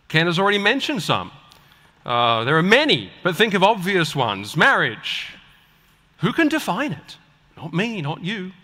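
Bright-voiced male preacher in an echoing hall. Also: on the high side. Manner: emphatic, deliberate rhetorical delivery with pauses. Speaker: preacher and guest speaker at a church conference. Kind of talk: sermon to a live audience. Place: large indoor auditorium, speaking on stage. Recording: echoey large hall with long reverb.

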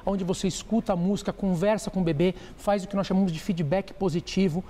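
Mellow-voiced doctor explaining. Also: male voice, high voice, steady tone, quick pace. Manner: didactic, poses rhetorical questions then answers them. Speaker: obstetrician guest. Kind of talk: explanatory TV talk-show interview.

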